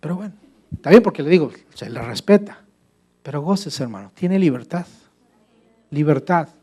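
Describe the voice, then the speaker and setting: A man preaching a sermon as pastor to his church, animated, asking rhetorical questions and addressing listeners as brother. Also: on the high side, normal speed, husky.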